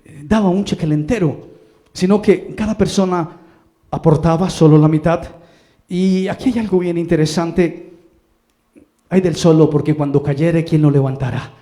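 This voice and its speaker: A man with a Colombian accent preaching a sermon as pastor, dropping to quiet asides and rising to shouted lines. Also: a little high. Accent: Colombian Spanish.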